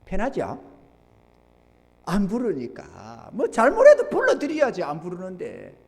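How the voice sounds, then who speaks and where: A man, a pastor, preaching a sermon, swinging between loud emphasis and low murmured asides. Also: wildly swooping pitch, unhurried, gravelly. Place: church sanctuary. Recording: long church reverb.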